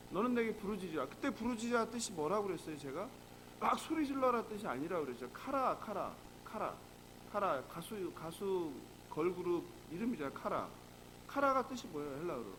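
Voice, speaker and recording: A man's voice: sits high, sing-song, fairly quick, a bit bright, slight background noise, low-quality recording. A male pastor giving an early morning prayer sermon, talking conversationally and asking the congregation rhetorical questions.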